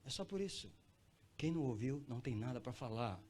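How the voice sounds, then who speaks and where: A pastor preaching in church, swinging from quiet talk to loud, high cries and calling listeners brother. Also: male voice, animated, a little fast. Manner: addresses listeners as brother, repeats phrases for emphasis. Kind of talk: sermon.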